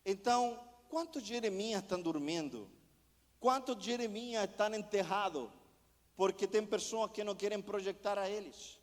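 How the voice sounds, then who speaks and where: A man with a fairly high voice preaches an impassioned sermon, piling up rhetorical questions one after another. His voice carries through a church sanctuary, and a long reverb trails off the walls. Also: normal speed. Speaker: missionary preacher.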